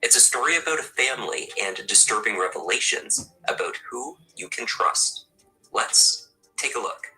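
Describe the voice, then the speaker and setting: A man narrating a true crime video in a measured, scripted storytelling delivery. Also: mid-range voice, animated, sharp tone, soft background music, poor audio.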